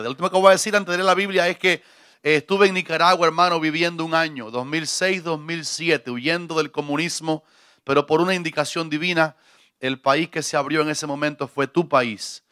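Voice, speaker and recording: Middle-aged pastor, bright crisp preaching voice, warm jokes with the flock, close dry mic. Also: male voice, fairly high pitch, fairly even intonation, a little fast, dry recording. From Cuba. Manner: jovial, preacherly, joking with congregation. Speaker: visiting pastor. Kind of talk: sermon. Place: church. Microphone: handheld mic.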